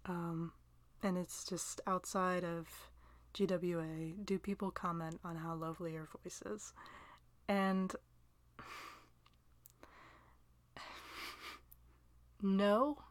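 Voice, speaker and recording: Speaking slowly in a lowish, steady voice, a young woman meanders through listener questions, laughing a lot and turning self-deprecating. Occasionally she sinks into a hushed, near-whisper aside. The recording is close and dry, without any echo or room sound.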